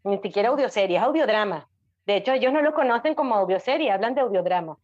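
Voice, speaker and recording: A woman's voice: mid-range voice, animated, quick pace, darkish tone, dull audio. A woman chatting as an interview guest, talkative and emphatic as she explains and checks she is understood. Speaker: podcast guest, audiobook creator and writer. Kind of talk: casual interview talk.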